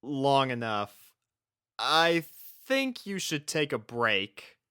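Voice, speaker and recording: Man acting a slow-spoken, caring young man. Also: medium pitch, sing-song, bright, forceful tone, clean tone, dry recording, clean studio sound, voice pushed up, full character voice. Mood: concerned. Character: caring, patient young man, steady and reassuring. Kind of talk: fan fiction audio drama dialogue.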